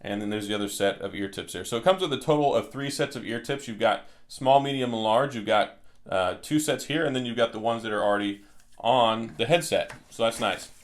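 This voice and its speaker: A man's voice: medium pitch, brisk. A man giving a casual product walkthrough as a reviewer, explaining things step by step.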